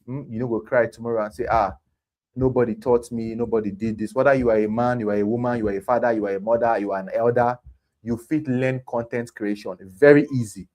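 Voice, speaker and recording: A man's voice: medium pitch, fairly even intonation, quick pace, darkish tone. A Nigerian man speaking Nigerian Pidgin mixed with English as he hosts a live health talk, explaining conversationally and emphatically with repeated phrases.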